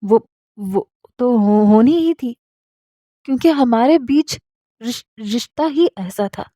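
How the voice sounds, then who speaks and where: A woman's voice: fairly high pitch, expressive, mellow, no echo, studio quality, lightly acted. A woman voicing a shy young husband who stutters on the first sounds of his words. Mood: tender.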